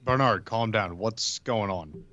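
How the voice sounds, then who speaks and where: A man playing a blunt, steady undead character in a tabletop game, talking plainly and reassuringly. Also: lowish voice, a little slow, no echo, dull audio. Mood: puzzled.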